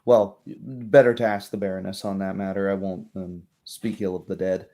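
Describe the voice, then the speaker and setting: A man's voice: low voice, flat delivery, dark tone. A man playing a guarded, plain-spoken townswoman in a tabletop game, hesitant and choosing words with care. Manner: hesitant, measured, picking words carefully. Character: guarded, plain-spoken townswoman talking over local mysteries.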